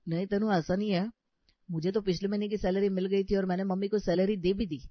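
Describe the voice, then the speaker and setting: A man's voice: high voice, flat delivery, a little fast, dry recording, lightly acted. Man voicing a sheepish, placating young husband. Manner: apologetic and placating. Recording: dry, slightly dull audio.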